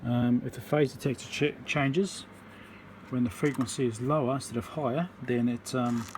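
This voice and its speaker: A man giving a hands-on electronics repair demonstration, thinking aloud in an informal, halting, step-by-step way. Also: medium pitch. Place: indoor repair workbench. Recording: steady background hum and room noise.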